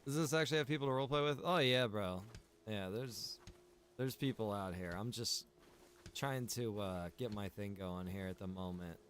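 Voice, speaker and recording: A man's voice: on the low side, normal speed, fairly bright tone. A man chatting casually as he livestreams a game, rambling along in a laid-back way. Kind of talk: casual livestream chat while gaming.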